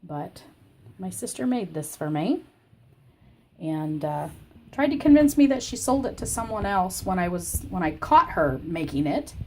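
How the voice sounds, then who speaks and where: A woman with a scratchy, croaky voice from illness, hosting a crafting channel. She gives a rambling, chatty personal update from her home craft room. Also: on the low side, very animated, measured pace, warm tone. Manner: rambling and chatty, with many fillers. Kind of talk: casual personal update chat.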